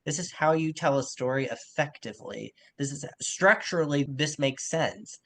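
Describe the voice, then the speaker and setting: A man's voice: a little high, moderate pace, fairly bright tone, a little hiss or hum. A man co-hosting a literary podcast, giving casual literary analysis in a discursive way, often qualifying his own points.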